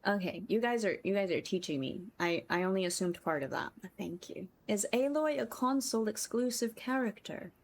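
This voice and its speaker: A woman's voice: mid-range voice, normal speed, few pauses. A woman livestreaming a game, chatting casually and effusively with her viewers and thanking them often. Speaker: game livestreamer and content creator. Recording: music playing behind the voice. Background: music.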